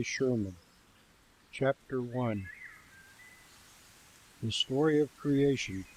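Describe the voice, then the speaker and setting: With long, frequent pauses and a very slow pace, a man speaks at medium pitch with ordinary pitch variation, in a dry, close sound with no echo. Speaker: audiobook volunteer reader. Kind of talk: audiobook reading of Bible stories. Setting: nature background of birds, wind and streams.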